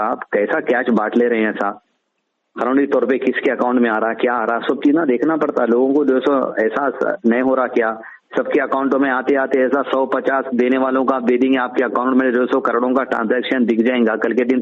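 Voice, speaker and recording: A man's voice: medium pitch, fairly even intonation, brisk. A man with a Hyderabadi accent talking casually and giving his opinions on a phone call, explaining his points in repeated lists. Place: on a phone line. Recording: tinny narrowband phone call recording.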